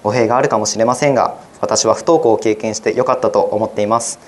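A teenage boy, a high school student, reading his own essay aloud in an earnest, measured way for a radio program. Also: fairly even intonation. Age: teens.

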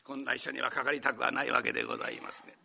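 An older man from Japan giving a formal, theatrical storytelling performance in a hall, breaking into shouted character voices. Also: mid-range voice, flat delivery, racing, vocal fry, a little hiss or hum. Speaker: rakugo storyteller.

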